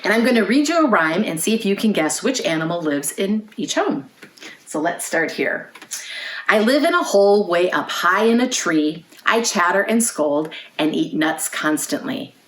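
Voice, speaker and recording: A woman with a slightly low voice leads a storytime for young children. She phrases things clearly and invites listeners to answer questions as she reads. The recording is roomy, with noticeable echo around her voice. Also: very animated, normal speed. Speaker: children's librarian, storytime host. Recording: roomy, echoey indoor sound.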